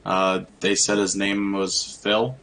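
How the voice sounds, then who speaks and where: A man playing a character in a tabletop game, speaking in a slow, flat, deliberate way. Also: sits low. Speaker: player.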